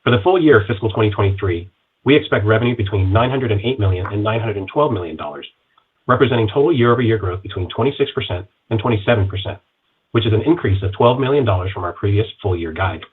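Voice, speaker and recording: A man's voice: on the low side, animated, quick pace, husky, narrow, tinny audio. A man in a company finance role reading scripted earnings guidance in a formal, businesslike way.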